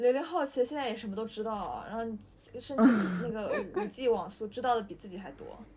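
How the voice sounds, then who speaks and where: A woman speaks at a moderate speed, her intonation lively. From Shandong. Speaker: journalist. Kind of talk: casual chat.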